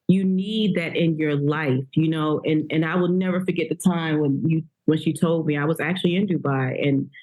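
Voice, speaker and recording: A woman guest on a podcast, telling stories in an animated, laughing way. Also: low-pitched, moderate pace, hardly any pauses, rough recording. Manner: animated storytelling, frequent laughter. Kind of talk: casual conversation.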